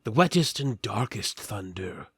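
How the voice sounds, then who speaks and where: A man's voice: on the low side, sing-song, unhurried, a bit bright, slightly rough, no room sound, studio quality, voice pushed down, heavily acted. A man voicing a grave, self-important adventurer hero in a fantasy story, solemn and portentous. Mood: brooding.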